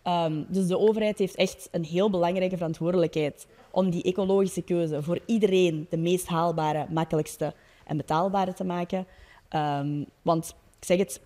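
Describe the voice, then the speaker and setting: A young adult woman with a Flemish Belgian accent giving an earnest, explanatory debate statement with hesitant pauses. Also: lowish voice, dark tone. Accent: Flemish Belgian Dutch. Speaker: political youth-wing leader, debate panelist. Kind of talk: debate statement, semi-formal.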